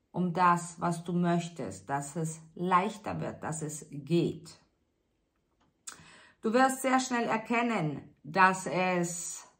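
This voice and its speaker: A woman giving a spiritual tarot reading, speaking slowly and soothingly straight to the listener. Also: fairly low pitch. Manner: slow, soothing, addresses listener directly. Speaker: tarot reader.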